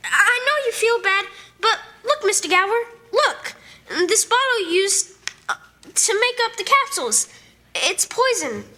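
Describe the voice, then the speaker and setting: A woman's voice: very high-pitched, very animated, measured pace, sharp tone, heavily acted. A woman playing a frightened, honest schoolboy, earnest and pleading, in a staged radio drama. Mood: pleading, scared.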